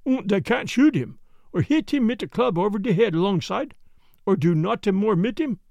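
A man's voice: high-pitched, huge pitch swings, a little slow, gravelly, a little mellow, no echo, muffled recording, full character voice. A man voicing a stubborn, blustering prisoner with a heavy put-on foreign accent.

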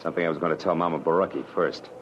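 A man acting a wry, world-weary private detective in a 1940s radio drama, with clipped, slangy, deliberate delivery. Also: sits low, fairly even intonation, noisy background, natural voice. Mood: gentle, subdued. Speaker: lead actor and narrator. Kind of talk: 1940s radio drama acting, first-person noir narration. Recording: muffled old radio broadcast, music behind.

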